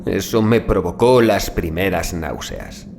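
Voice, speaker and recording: A man reading a scripted horror story as an audiobook narrator, in a grave, deliberate dramatic manner with drawn-out phrase endings. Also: deep voice, big pitch swings, gravelly, noisy background. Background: music bed.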